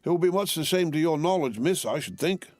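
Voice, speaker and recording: A man voicing a gruff working man with a hoarse voice, talking blunt. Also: a little high, lively intonation, a little fast, darkish tone, no room sound, soft background music, voice pushed up, natural voice.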